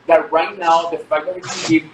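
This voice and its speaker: A young man from Venezuela, his first tongue, answers interview questions earnestly over a video call. His voice sits a little high and rings in an echoey room with faint noise behind. He reaches for words with fillers and restarts. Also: level tone, a little fast. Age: 20s. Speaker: guest, pageant winner.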